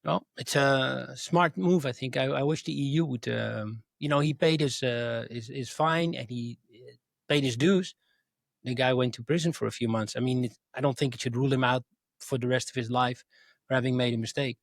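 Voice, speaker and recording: A man's voice: mid-range voice, normal speed, creaky, no room sound. A man of Dutch and Asian background co-hosting a tech and crypto podcast, talking in a thoughtful, hesitant way with fillers and restarts. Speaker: podcast co-host. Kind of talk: casual chat.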